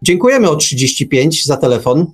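A man's voice: fairly high pitch, sing-song, a little fast, slightly rough. A man hosting a radio talk show, speaking thoughtfully with frequent hesitations. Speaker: radio host.

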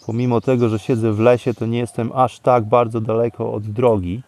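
Male meditation guide, mid-pitched and very mellow, slow soothing delivery, recorded outdoors among birds. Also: level tone. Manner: slow, deliberate, soothing instruction with pauses. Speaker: podcast host and meditation guide. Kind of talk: guided breathing meditation talk. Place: outdoors, sitting in a forest among bamboo. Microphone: microphone exposed to wind.

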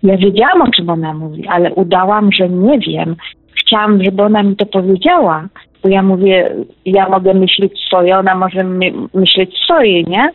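A woman's voice: mid-range voice, moderate pace, dry recording. A woman calling in to tell a personal story, talkative and emphatic, often repeating herself. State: widowed, close to tears. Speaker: caller. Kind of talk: emotional personal account. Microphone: telephone. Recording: tinny phone line.

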